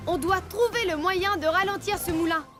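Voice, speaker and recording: A woman's voice: very high-pitched, moderate pace, music in the background. A woman voicing a brave, cheerful little alien space hero in a cartoon, upbeat and commanding. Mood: determined. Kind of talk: French cartoon dubbing.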